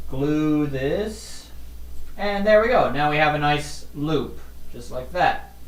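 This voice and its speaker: A man's voice with audible room echo. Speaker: music producer streamer. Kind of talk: live stream tutorial chat. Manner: halting.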